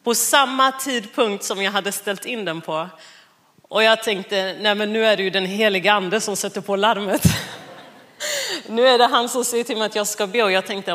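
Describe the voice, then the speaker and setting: A woman's voice: medium pitch, a bit bright. A woman in her thirties gives a guest sermon, opening with a self-mocking family story. She laughs often and acts out both sides of the conversation, keeping it chatty before turning to scripture. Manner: acts out quoted dialogue. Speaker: guest preacher. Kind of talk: sermon with personal anecdote.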